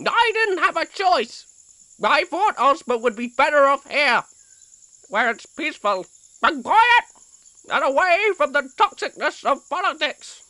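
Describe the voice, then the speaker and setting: A woman's voice: high voice, very animated, measured pace, bright, forceful tone, no echo, heavily acted, poor audio. A woman voicing a blunt, defensive talking hen in an amateur audio drama.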